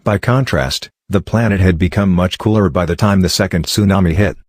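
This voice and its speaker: A man's voice: low voice, brisk, no echo, studio quality. A man giving a scripted read-aloud of academic passages as a model reader.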